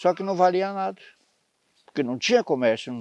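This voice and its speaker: Against a quiet background, a man speaks in a high voice with a dark, mellow tone. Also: dry, close sound with no echo. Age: 70s. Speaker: settler farmer. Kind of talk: oral history interview. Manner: halting.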